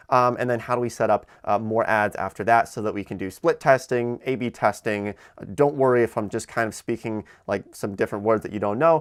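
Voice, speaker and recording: Fairly quick and fairly even in intonation, a man speaks at a medium pitch. The recording is very clean with a silent background. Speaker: online marketing tutor. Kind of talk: tutorial. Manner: fast.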